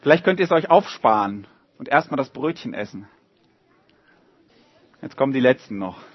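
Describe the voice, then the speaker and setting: A man reading a story aloud to a group of children and drawing pictures along with it, in a lively, animated way. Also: medium pitch, moderate pace, no echo, dull audio.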